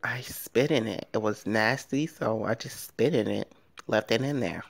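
A man's voice: on the low side, unhurried, vocal fry, no echo. A man performing comic voice-overs, dubbing film, cartoon and advert scenes.

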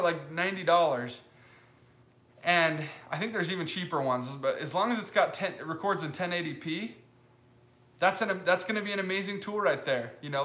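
A man's voice: on the high side, a bit bright. Upbeat young man in an echoey workshop. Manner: loose, rambling, upbeat, many fillers. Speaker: live-streaming maker vlogger. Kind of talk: casual live stream chat, reading comments. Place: wooden-walled leather workshop, indoors. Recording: roomy workshop echo.

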